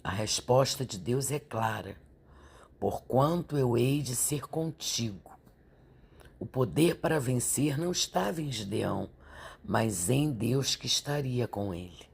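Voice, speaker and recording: A woman, stuffy and nasal from a sore throat, leading a slow, gentle Bible meditation and prayer. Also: rumbling low, lively intonation, vocal fry, slightly rough. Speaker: Bible devotional teacher.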